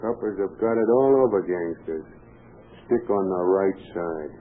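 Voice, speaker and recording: A man's voice: sits low, moderate pace. An actor playing a rueful, earnest convicted burglar and father in a 1930s radio crime drama, slangy and emphatic. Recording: tinny, noisy 1930s radio recording.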